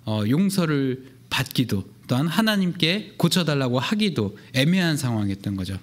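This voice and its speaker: A young man preaching a sermon as a youth pastor, telling the story with lively storytelling and acting out the voices of the people in it. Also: a little high.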